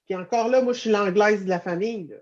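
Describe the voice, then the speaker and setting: A woman's voice: mid-range voice, quick pace, darkish tone. Franco-Ontarian woman, casual group talk, rambling delivery, dull recording. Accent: Franco-Ontarian French. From Ontario, Canada. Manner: rambling, many restarts and fillers. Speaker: guest in group discussion. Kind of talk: casual conversation.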